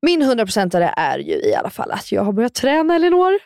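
A woman's voice: mid-range voice, big pitch swings, gravelly, a little mellow, no room sound, studio quality. A young woman co-hosting a podcast in casual chat, supportive and talkative. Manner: supportive listener, many "mm", chatty. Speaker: podcast co-host.

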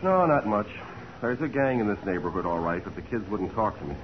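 An actor playing a breezy, wisecracking sidekick with a flippant, casual way, in a 1940s radio drama. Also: male voice, on the low side, big pitch swings, brisk. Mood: breezy, wry. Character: breezy, wisecracking male reporter-type sidekick. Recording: dull, noisy 1940s radio recording.

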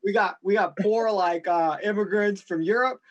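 A man's voice: sits high, normal speed, muffled recording. A man from Brooklyn, hosting a casual podcast chat in blunt, profane street talk. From Brooklyn, New York.

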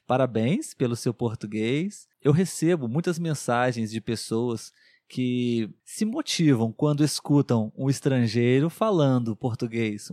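Dry clear-voiced male podcast host. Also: mid-range voice, a little mellow, no echo. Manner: clear, measured, encouraging, checks in with "né?". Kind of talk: language-learning podcast chat.

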